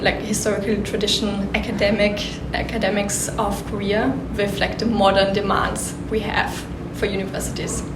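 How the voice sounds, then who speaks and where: A woman's voice: mid-range voice, echoey room, background noise. A woman in her twenties from Austria, an exchange student answering interview questions casually and with many hesitations. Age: 20s. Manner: hesitant, many ums and likes.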